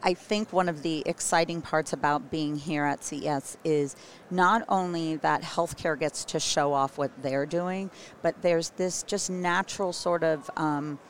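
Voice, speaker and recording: A woman's voice: low-pitched, fairly even intonation, measured pace. A woman with a scratchy, worn voice, a summit producer chatting as an interview guest at a trade show, rambling with many ums and restarts. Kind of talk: casual interview chat.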